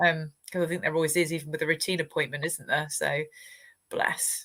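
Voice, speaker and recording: A woman's bright, sharp tone at a fairly low pitch. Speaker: pet owner and animal physiotherapy channel host. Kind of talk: live stream conversation reading viewer comments. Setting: live video stream.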